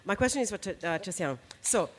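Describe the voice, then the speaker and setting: A woman's voice: medium pitch, lively intonation, fast talker, long reverb tail. A woman in the audience playfully asking a question in a casual discussion.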